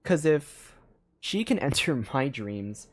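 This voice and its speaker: A man's voice: medium pitch, big pitch swings, slow pace. A young man giving casual live commentary on a game, rambling and thinking aloud with lots of fillers. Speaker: game streamer.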